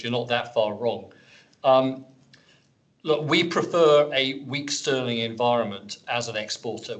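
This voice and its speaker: A man speaking as a company executive, giving measured, corporate answers on an earnings call. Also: mid-range voice.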